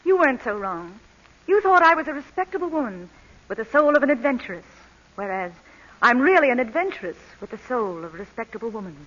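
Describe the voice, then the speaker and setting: An actress playing a cool, witty society jewel thief in an old-time radio drama, poised and dry. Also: female voice, on the high side, sing-song, fast talker, fairly bright tone. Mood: cool, wry. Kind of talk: 1930s-40s radio drama acting. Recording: dull vintage radio broadcast recording.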